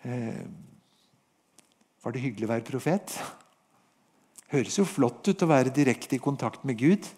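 Lively in intonation, this man speaks at a medium pitch with a dark tone and a Norwegian accent. On his podcast he teaches the Bible, bringing a prophet's story to life and speaking God's lines aloud.

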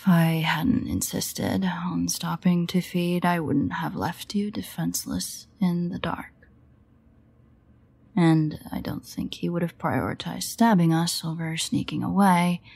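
An actress plays a female vampire in an intimate audio drama. Her voice sits low, with heavy fry and a husky, breathy edge. She grumbles sardonically, guilt and protectiveness under the sarcasm. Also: exaggerated voice. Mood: guilty, defensive. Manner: sarcastic, grumbling, hesitant asides. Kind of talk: intimate audio roleplay acting.

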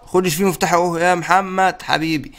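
Fast-talking Egyptian man gaming. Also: high-pitched. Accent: Egyptian Arabic. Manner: excitable, urgent, calls out to viewers. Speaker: gaming channel host. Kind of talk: let's-play commentary.

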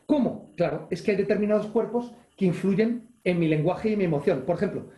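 Spanish-male coach, online webinar, energetic and demonstrative, warm mellow tone, roomy echo over a video call. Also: sits high, brisk. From Spain. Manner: energetic, acts out gestures and exclamations, reads chat questions aloud. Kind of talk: live online leadership webinar.

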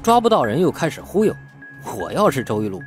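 A man's voice: mid-range voice, wildly swooping pitch, fast, over music. A man voicing a brash young man in an audiobook, indignant, sarcastic and argumentative. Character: brash, defiant young man sparring with police officers. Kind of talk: audiobook character acting.

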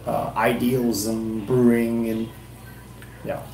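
A man's voice: mid-range voice, little pitch movement, slow, darkish tone, a little hiss or hum. Rambling man chatting in a roomy room. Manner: rambling, thinking aloud with many restarts. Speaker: beer reviewer and channel host. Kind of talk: casual live-stream chat. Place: small wood-paneled room indoors.

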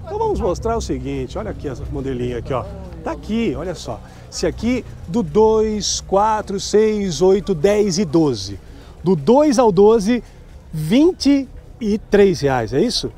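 Lively high-voiced man selling. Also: unhurried, faint music behind. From Brazil. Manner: chatty and promotional, keeps asking vendors prices. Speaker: shopping vlogger touring a street market. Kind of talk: upbeat sales walkthrough. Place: outdoor city street market at night.

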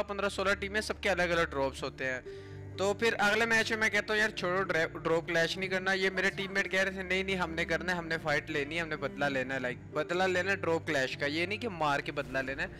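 A man's voice: sits high, sharp tone. A man giving casual, explanatory gameplay commentary, retelling what was said between players. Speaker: gaming YouTuber. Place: voice-over over mobile game footage. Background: music.

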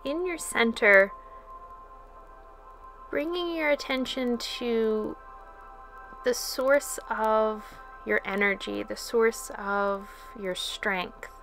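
A woman leading a guided relaxation as a yoga instructor, speaking in a calm, soothing way with long pauses. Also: fairly high pitch. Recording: soft music under the voice. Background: music.

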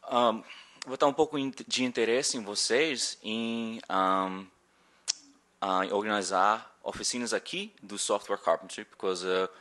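A man in his thirties with an American accent, giving a conference talk in a hall at a table microphone, halting and searching for words with self-deprecating humor. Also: on the low side, sharp tone. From born in Rio, raised in Chicago. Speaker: conference speaker. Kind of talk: conference presentation.

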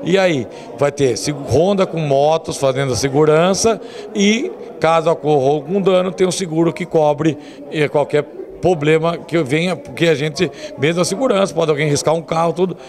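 A man's voice: fairly high pitch, normal speed, crowd noise. A man in his forties with a Brazilian accent, a rodeo organiser answering questions in a TV interview. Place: indoor lobby. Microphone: handheld interview microphone. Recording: people audible in the background.

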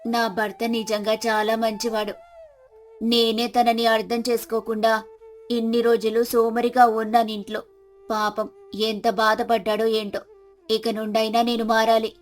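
A woman's voice: fairly high pitch, completely flat delivery, a little slow, pitched below the performer's own voice, lightly acted. An earnest village wife from a moral storybook, played by a woman narrator, speaks. Light music plays behind. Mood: remorseful. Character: lazy village wife turning earnest and hardworking.

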